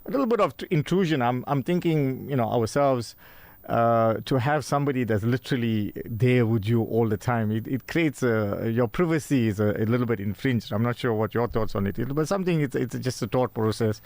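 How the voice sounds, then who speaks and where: A man's voice: medium pitch, a little fast, darkish tone, dry recording. A man from South Africa hosting a radio interview in a studio, talking casually with many fillers and restarts. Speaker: radio show host.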